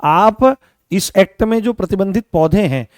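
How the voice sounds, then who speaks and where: A man teaching law in an online class, speaking to his students and slowly repeating phrases so they can write them down. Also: high-pitched, lively intonation, darkish tone, dry recording, studio quality. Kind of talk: online class lecture with dictation.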